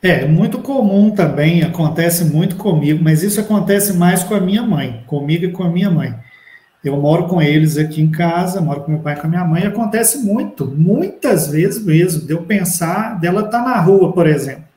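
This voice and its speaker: A man interviewing a guest in a relaxed conversation, often answering with short affirmations. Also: high-pitched, moderate pace. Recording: roomy echo.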